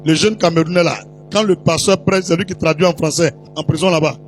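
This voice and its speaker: A male preacher telling a story in a sermon to his congregation, teasing the crowd and slipping into put-on voices and shouts. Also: fairly high pitch, steady tone, a little fast, soft background music.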